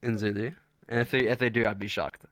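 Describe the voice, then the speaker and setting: A man's voice: fairly low pitch, steady tone, quick pace, fairly bright tone, dry recording. A man with a South African accent talking casually and slangily as a guest in a video-call interview, rambling with restarts. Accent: South African English.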